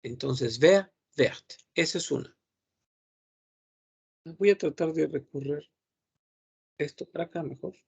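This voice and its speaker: On the high side and slightly rough, the man's creaky voice moves at a measured pace with long pauses. He's a French teacher leading a patient online grammar lesson, saying each word repeatedly and humming as he thinks aloud.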